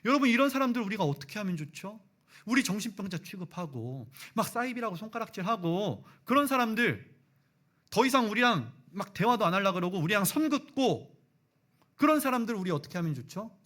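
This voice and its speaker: Guy pastor giving a sermon, pitch jumping all over, asks the crowd stuff. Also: a little fast. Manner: animated, acts out quotes, asks the congregation questions.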